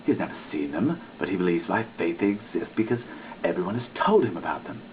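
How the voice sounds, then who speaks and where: A man's voice: sits low, very animated, fast. A man giving a dramatic reading of a written text, with a theatrical, emphatic delivery. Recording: tinny lo-fi recording with faint hiss.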